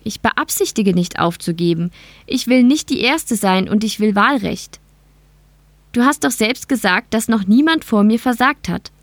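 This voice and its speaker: A woman's voice: a little high, animated, unhurried, dry recording. Brief: earnest, determined young woman, as read by a woman narrator, probing questions, dry close sound. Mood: questioning.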